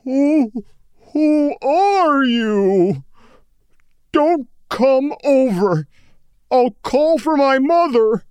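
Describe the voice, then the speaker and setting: A woman's voice: high-pitched, sing-song, slow, no room sound, exaggerated voice. Woman doing a stammering cowardly demon king. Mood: whiny. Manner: stammering and whiny. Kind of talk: storybook character voice.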